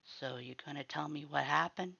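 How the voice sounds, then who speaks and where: A narrator voicing a laid-back, gently concerned male skeleton monster with a slow, casual way of talking. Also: mid-range voice, gravelly, breathy edge, dull audio, full character voice. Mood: casual, careful. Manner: slow, casual, slangy drawl.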